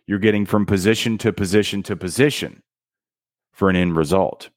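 A man giving casual, energetic motivational commentary on a book, punching out single words and counting beats for effect, with slang like "dude". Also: deep voice, moderate pace, no room sound, clean studio sound. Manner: energetic and emphatic, with dramatic counting and punchy one-word beats. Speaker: book summary host.

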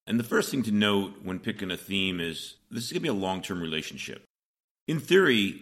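A middle-aged man hosting a solo podcast, hoarse and raspy, explaining things plainly, step by step, from a small home recording booth. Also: low-pitched, a bit bright. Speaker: podcast host.

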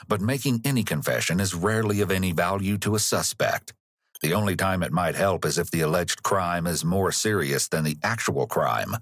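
A man narrating a crime podcast in a measured, explanatory scripted read. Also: deep voice, a bit bright, breathy edge, no room sound, studio quality.

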